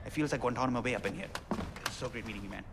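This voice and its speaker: An actor playing an excitable, chatty young rebel radio DJ in a video game, with a South Asian accent and theatrical, slangy, rambling talk. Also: male voice, medium pitch, rapid-fire, vocal fry, background noise, natural voice. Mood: hospitable, flustered. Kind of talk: game cutscene acting with radio patter. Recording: music behind, long reverb.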